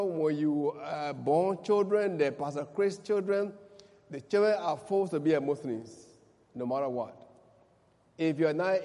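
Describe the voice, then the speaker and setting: Liberian pastor in a reverberant hall. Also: male voice, on the high side, warm tone. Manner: speaks slowly and deliberately, with emphatic rises. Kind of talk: prayer and testimony sermon. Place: church service. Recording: echoey church hall.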